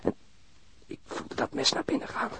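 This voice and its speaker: An actor playing a wounded policeman in a radio drama, speaking halting in strained, broken phrases with a husky, breathy voice. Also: pushed and bright, a little hiss or hum, natural voice. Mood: tense, agitated. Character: wounded policeman recounting being stabbed, shaken but admiring.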